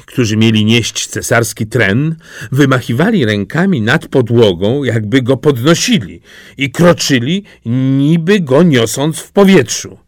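A man reading a fairy tale aloud in an expressive, unhurried storytelling manner. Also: medium pitch, dry recording, studio quality. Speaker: reader.

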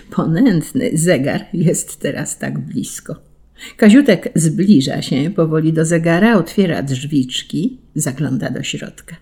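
A storybook narrator reading an old children's tale, gentle and expressive in the telling. The voice is dark and mellow, with a husky, breathy edge. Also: mid-range voice.

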